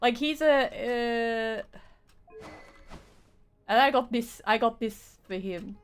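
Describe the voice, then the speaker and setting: A woman's voice: on the high side, slow pace, clear, resonant tone. A woman chatting casually as she live-streams a video game, rambling and often restarting her phrases. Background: game music.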